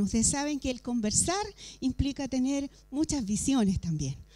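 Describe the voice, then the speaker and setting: Music plays in the background as a woman with a high pitch speaks. She keeps a moderate pace with ordinary pitch variation. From Chile, Mapuche community. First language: Mapudungun (speaking Spanish). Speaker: professor. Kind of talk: conference talk.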